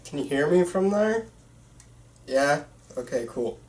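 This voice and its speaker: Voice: medium pitch, animated, measured pace, a little mellow. A person reading the lead part in an amateur script table read, casual and conversational with some stammering. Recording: roomy, echoey room.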